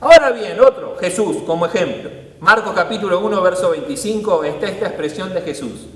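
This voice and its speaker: A high-pitched man with a Rioplatense accent delivers a sermon. He is animated and theatrical, slipping into little character voices. The recording is roomy, with a long echo from the hall. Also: a little fast, distant mic. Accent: Rioplatense Spanish. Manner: animated, acts out scenes with voices. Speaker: preacher. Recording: echoey hall, long reverb.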